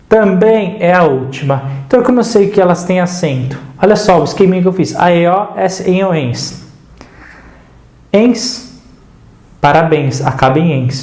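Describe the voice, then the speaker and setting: A man's voice: high-pitched, a little mellow, echoey room. A man with a Brazilian Portuguese accent teaching an online grammar lesson, chatty and checking in often with the viewer.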